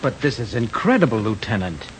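Incredulous radio gentleman. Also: fairly low pitch, sing-song, brisk, over music, rough recording. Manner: disbelieving, indignant. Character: incredulous male friend, near-victim. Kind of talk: 1940s radio acting.

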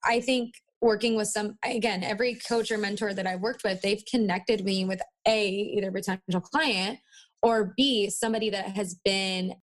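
Woman, twenties, valley-girl way of talking, casual interview guest, mid-range pitch, filler-heavy. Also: steady tone, normal speed. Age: 20s. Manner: peppers talk with "like" and "you know". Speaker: interview guest, marketing agency owner. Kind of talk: casual podcast interview chat.

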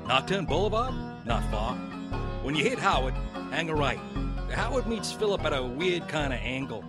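A man's voice: a little high, sing-song, moderate pace, loud music behind the voice. A man playing a local who casually gives street directions in an audio drama. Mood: helpful. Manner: casual and helpful.

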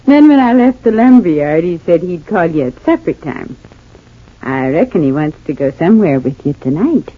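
A homespun old family matriarch. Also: female voice, fairly low pitch, big pitch swings, normal speed. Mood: homely warm. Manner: homespun country speech. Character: kindly homespun older mother of a family. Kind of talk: 1940s radio acting. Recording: tinny thin old radio recording.

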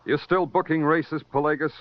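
An actor playing a hard-boiled detective in a 1950s radio drama, dry and sardonic. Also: male voice, a little high, steady tone, normal speed, close to an everyday voice. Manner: sardonic, clipped. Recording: muffled old radio broadcast.

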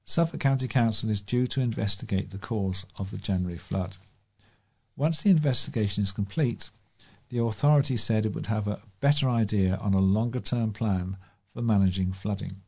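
A man's voice: lowish voice, normal speed, mellow. A man with a British accent reading local news aloud as a volunteer newsreader.

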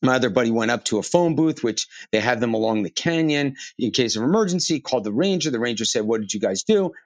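A man's voice: mid-range voice, expressive, quick pace, no room sound. Male surgeon guest, earnest storyteller, dry close sound. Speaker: podcast guest. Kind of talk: conversational storytelling.

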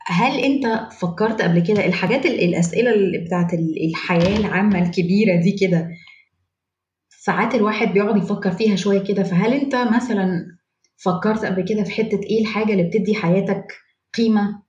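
A woman with an Egyptian Arabic accent co-hosts a podcast, talking quickly, playfully and emphatically. Her voice sits at an ordinary middle pitch. Her recording has a roomy echo. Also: darkish tone, highs cut off, a little hiss or hum. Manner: playful and emphatic, laughs often. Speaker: podcast co-host. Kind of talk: casual podcast conversation.

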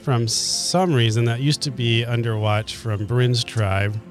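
A man's voice: medium pitch, a little slow, soft background music. A man hosting a tabletop game podcast as dungeon master, with a theatrical storybook narration in the opening.

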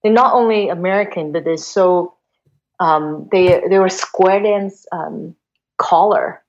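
Hong kong woman in her 40s rambling through her career story, lowish voice, muffled sound. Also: slow. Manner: chatty, many fillers and restarts. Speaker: guest, venture investor. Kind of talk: casual interview storytelling. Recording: dull lo-fi sound.

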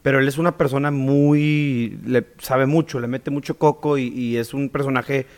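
Relaxed Mexican man hosting a podcast. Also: medium pitch, moderate pace. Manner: relaxed, curious questions. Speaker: podcast host. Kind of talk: casual interview.

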